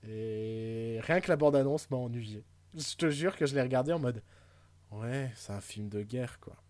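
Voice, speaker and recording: A man's voice: medium pitch, moderate pace, darkish tone, no echo. Rambling man in a casual film chat. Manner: rambling, hesitant, with frequent fillers and jokes. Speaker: podcast co-host.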